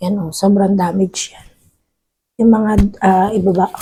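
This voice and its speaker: A woman with a medium pitch and a dark, mellow, somewhat breathy tone speaks at a moderate pace with monotone, flat intonation. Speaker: beauty vlogger. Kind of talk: product review. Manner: halting.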